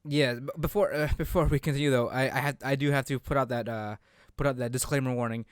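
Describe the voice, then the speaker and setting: Smooth, dry-sounding young man, halting delivery. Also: mid-range voice, steady tone, no room sound. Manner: halting, repeats himself. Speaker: co-host of a gaming discussion. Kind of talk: casual unscripted chat.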